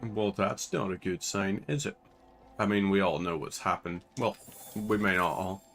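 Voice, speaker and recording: A man's voice: low voice, normal speed, fairly bright tone, soft background music. An Irish man giving casual, rambling commentary while playing a game, with lots of fillers. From Ireland. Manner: rambling, chatty, many fillers. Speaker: gaming channel host.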